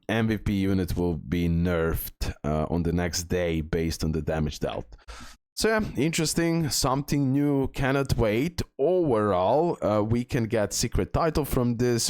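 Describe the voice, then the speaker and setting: Man, very low voice, casual gaming commentary, lots of filler sounds, dry close sound. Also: no echo. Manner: talks through on-screen images with frequent "uh" fillers. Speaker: gaming video creator.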